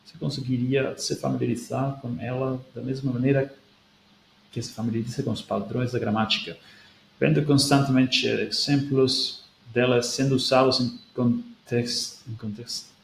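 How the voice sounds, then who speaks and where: Gravelly-voiced man in an echoey room. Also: medium pitch, flat delivery, normal speed. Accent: non-native speaker of Portuguese, European Portuguese leaning. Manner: thinks aloud with restarts, switches into Portuguese. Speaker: language-learning video host. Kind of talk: casual talk, reading out and answering a viewer comment. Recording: echoey room with faint background noise.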